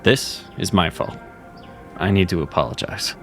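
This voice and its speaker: A man playing Seraphin, a black and white male cat who leads and mentors, calm, reassuring and quick to blame himself. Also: low voice. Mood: steady. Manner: steady, reassuring, self-critical. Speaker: voice actor. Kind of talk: audio drama acting. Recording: music underneath.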